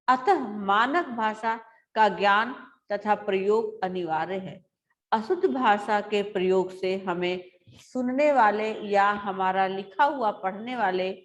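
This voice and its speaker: A woman teacher giving a grammar lesson to schoolchildren, explaining slowly and repeating words aloud. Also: on the high side.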